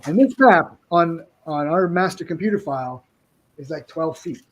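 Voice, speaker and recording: A man talking as an interview guest about his game products, halting and restarting often. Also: fairly high pitch, expressive, husky, low-quality recording. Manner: halting, restarts with many ums and uhs. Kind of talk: casual interview chat.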